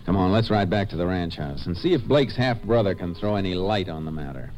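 In an old 1950s radio western, an American man plays a Texas Ranger investigator who is terse, matter-of-fact, and analytical. His voice sits low and is expressive and brisk, with background noise typical of the vintage recording.

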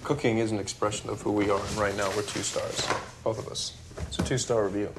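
An actor playing an intense, driven star chef in a film drama, with urgent delivery and a gravelly voice. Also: male voice, fairly low pitch, flat delivery, brisk, lightly acted. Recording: noisy film clip with clatter.

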